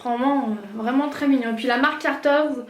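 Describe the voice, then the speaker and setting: French mom in her 30s chatting thru a haul, lots of euhs, high voice, roomy echo. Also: brisk. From France. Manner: chatty, hesitant with many fillers. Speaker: vlogger. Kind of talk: casual product haul chat. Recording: echoey room, faint noise.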